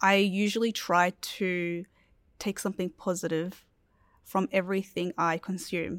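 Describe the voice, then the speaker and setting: A woman speaks at a fairly slow pace in a monotone, flat intonation, on a very clean recording with a silent background. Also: medium pitch for a woman. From Iraq. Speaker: game artist and illustrator. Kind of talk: interview.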